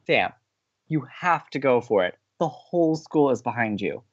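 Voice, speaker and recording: A male actor playing a young campus radio host in an audio drama, gleeful and romantic. His pitch swoops about as he teases and stresses words dramatically. The sound is slightly dull. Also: normal speed, lightly acted. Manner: excitable, teasing, dramatic emphasis. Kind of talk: bantering audio drama dialogue.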